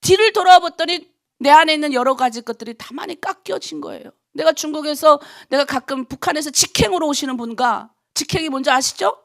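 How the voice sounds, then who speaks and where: A woman's voice: high-pitched, lively intonation, a little fast, vocal fry, a bit bright. A middle-aged woman pastor preaching a dawn prayer sermon, appealing to her congregation with heated rhetorical questions. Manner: impassioned, rhetorical questions to the congregation, quoting others in voices. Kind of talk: early-morning prayer sermon.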